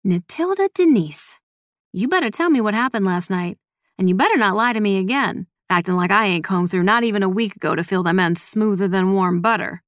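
A woman's voice: mid-range voice, expressive, fairly quick, a bit bright, dry recording, natural voice. Stern, salty grandmother in an audiobook, elderly and protective, scolds bluntly, dry studio sound female reader performs her. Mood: stern demand.

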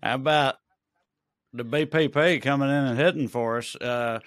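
A man's voice: mid-range voice, steady tone, moderate pace, fairly bright tone, dry recording, clean studio sound. A man co-hosting a podcast, talking in a laid-back, casual way with some swearing. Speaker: podcast co-host. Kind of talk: casual chat. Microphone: remote recording.

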